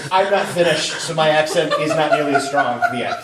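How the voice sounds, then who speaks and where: Tired guy rambling fast, jokey, echoey room far from the mic. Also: fairly high pitch, a loud crowd. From Minnesota, USA. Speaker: podcast co-host. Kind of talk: casual group chat.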